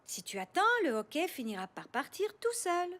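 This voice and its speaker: A woman's voice: high-pitched, sing-song, normal speed. A woman voicing a patient, caring mother in a French children's cartoon. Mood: patient, soothing. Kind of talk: dubbed children's cartoon acting. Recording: music behind the voice.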